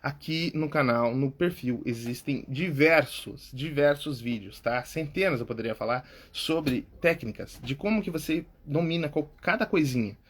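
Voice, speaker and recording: A man's voice: fairly high pitch, moderate pace, hardly any pauses. A Brazilian man, a public speaking coach and podcast host, giving tips in a casual, informal way, often checking in with "tá?" and "cara". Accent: Brazilian Portuguese.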